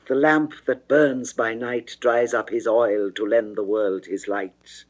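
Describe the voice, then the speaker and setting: A man voicing a seductive goddess of love who pleads passionately, in a theatrical, declamatory and measured classical verse reading. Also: medium pitch, steady tone. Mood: urgent persuasion.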